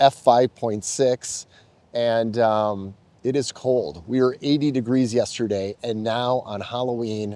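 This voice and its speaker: A man's medium-pitched voice with a Wisconsin accent, dark, mellow tone, fairly slow pace and big swings in loudness. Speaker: photography youtuber. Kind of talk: casual vlog tutorial. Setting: outdoors in a cemetery.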